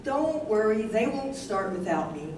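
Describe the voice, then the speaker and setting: A woman's voice: medium pitch, very animated, unhurried. A woman playing a wistful, confused older wife with Alzheimer's in a staged reading of a play. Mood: defiant. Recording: roomy distant stage mic, loud noise.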